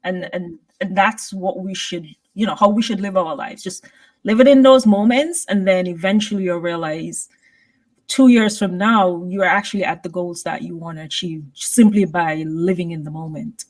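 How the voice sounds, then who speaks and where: A woman from Guyana, a podcast guest, telling personal stories in a thoughtful, steady conversational way. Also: fairly low pitch, normal speed. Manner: thoughtful, steady, personal anecdotes with frequent "you know" and "right?". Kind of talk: reflective conversational storytelling.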